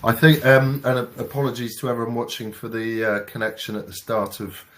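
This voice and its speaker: A man's voice: medium pitch, fairly even intonation, brisk, fairly bright tone, slight background noise. A man moderating a webinar, putting audience questions to the speaker with many ums and uhs. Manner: hesitant, many fillers while framing questions. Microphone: video call with camera off.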